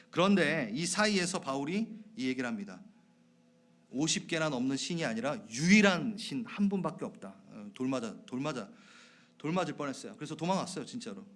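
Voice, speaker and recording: A man preaching a sermon as pastor of a church, talking conversationally with his congregation, asking them questions and dropping from loud emphasis to soft whispered asides. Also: medium pitch, big pitch swings, moderate pace. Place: church sanctuary.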